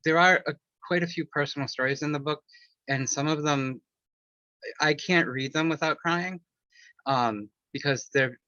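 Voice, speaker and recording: A man's voice: fairly high pitch, moderate pace, pushed and bright, no echo. A man answering an interview question in a loose, rambling way, with many fillers and restarts, speaking candidly about personal matters. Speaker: author and interview guest. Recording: dull lo-fi, dry sound.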